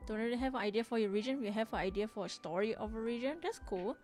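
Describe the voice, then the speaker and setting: A woman's voice: a little high, quick pace, a little mellow, soft background music. A woman from Singapore hosting a live drawing stream, chatting casually, reading chat aloud and rambling with frequent restarts. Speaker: livestream artist host.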